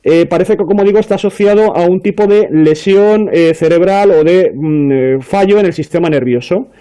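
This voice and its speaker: A man's voice: sits high, normal speed, mellow. A man on a talk panel, explaining at length with many fillers and restarts. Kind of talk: casual panel discussion.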